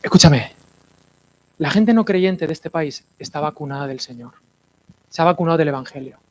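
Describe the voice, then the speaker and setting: A man preaches to a congregation in a church hall. His voice sits high, and his delivery is animated and playful. At moments he sinks into hushed, intense asides. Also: moderate pace. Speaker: pastor. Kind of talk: sermon.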